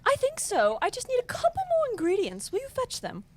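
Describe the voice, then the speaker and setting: A woman's voice: very high voice, wildly swooping pitch, a little fast, slight background noise, exaggerated voice. A woman playing a comically evil, child-eating witch in a radio play, theatrical and easily flustered. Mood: gleeful menace. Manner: theatrical cackling, flustered asides. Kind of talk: comedic audio drama acting.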